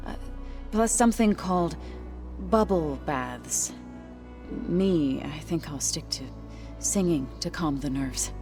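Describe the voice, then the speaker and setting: A woman playing a calm, loyal tribal companion in a video game, measured and gently amused. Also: sits low. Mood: musing. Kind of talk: video game cutscene acting. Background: faint music.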